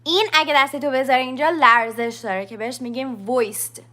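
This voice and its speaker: A woman runs a live English lesson in a high, bright voice. She explains pronunciation step by step and demonstrates each sound herself. Now and then she stops to answer viewers' questions from the chat. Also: fairly even intonation. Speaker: English teacher. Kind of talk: live-streamed language lesson.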